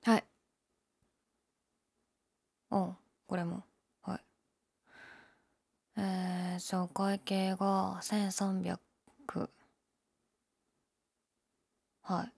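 A young woman playing a laid-back, shyly candid gyaru convenience-store clerk in an audio drama, with a breathy, hesitant, mumbled delivery. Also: monotone, slow, long pauses, darkish tone, full character voice. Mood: flat, polite. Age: young adult. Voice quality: low, breathy. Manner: listless, hesitant, mumbled casual polite speech. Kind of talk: male-oriented situation voice drama, casual chat.

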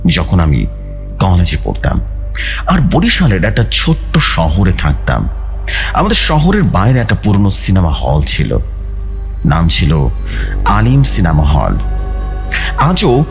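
A man's voice: deep voice, wildly swooping pitch, takes it slowly, gravelly, pauses often. A man reading a scripted horror story aloud in a suspenseful, theatrical way. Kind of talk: dramatic scripted horror narration, read aloud. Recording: music bed behind the voice.

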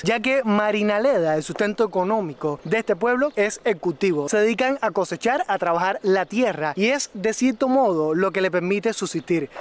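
A young man with a Cuban accent, narrating a scripted travel vlog outdoors to a phone held at arm's length, upbeat and chatty. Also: high-pitched. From Cuba. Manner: upbeat, chatty presenting to camera. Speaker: travel vlogger. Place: outdoors in a village. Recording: video played on a stream, with music.

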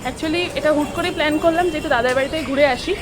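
A woman's voice: sits high, very fast. A young woman vlogging her day in a chatty way, mixing in English words, filmed on a phone at home and on busy streets. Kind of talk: casual daily vlog chat. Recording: noisy street and room background.

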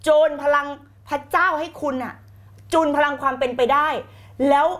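A woman with a high, bright voice coaches her live-stream audience with fiery energy. She hammers her points home by repeating them and tosses in the odd English word and blunt slang. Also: normal speed. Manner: energetic and emphatic, repeats key phrases, urges viewers to shout back. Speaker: law of attraction coach. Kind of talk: live-streamed motivational teaching.

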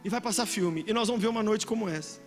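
Impassioned high-voiced Brazilian pastor. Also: male voice, quick pace. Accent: Brazilian Portuguese. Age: middle-aged. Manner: dramatic, emotional preaching that swings from soft to shouting. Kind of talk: sermon. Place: large church hall with a youth congregation. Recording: long hall reverb with music behind.

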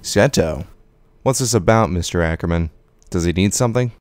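An actor playing a dependable police detective in his thirties, brisk and concerned, in an audio drama. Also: deep voice, darkish tone, no room sound, studio quality, lightly acted.

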